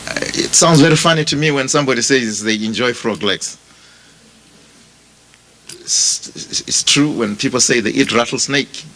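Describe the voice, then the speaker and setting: A man with a Zimbabwean accent preaching a sermon as a pastor, speaking deliberately and repeating phrases for emphasis as he addresses his listeners directly. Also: mid-range voice, sharp tone, slight background noise. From Bulawayo, Zimbabwe. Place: funeral service before a congregation.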